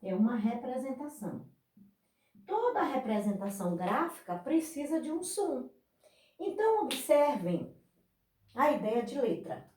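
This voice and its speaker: Lady teacher explaining patiently, lively up and down voice, kinda far from the mic in an echoey room. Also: sits high, a little slow, long pauses. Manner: patient, explanatory, asks students rhetorical questions. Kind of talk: recorded online class lesson.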